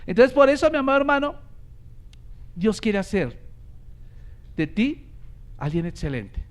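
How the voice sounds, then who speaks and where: A man, a pastor preaching a sermon from a church pulpit, shifting between loud exhortation and quiet storytelling. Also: high voice, very animated, a little slow.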